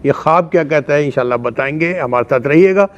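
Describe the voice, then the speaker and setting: A man's voice: on the high side, lo-fi sound. A male host of a call-in show who greets callers and closes each call with a formal, courteous prayer.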